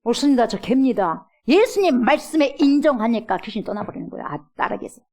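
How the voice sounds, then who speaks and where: A middle-aged woman pastor preaching a sermon in a church, acting out pleas and swinging between loud and hushed. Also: fairly high pitch, lively intonation, fast talker. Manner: dramatic, acts out quoted pleas with big swings from loud to hushed. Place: church sanctuary.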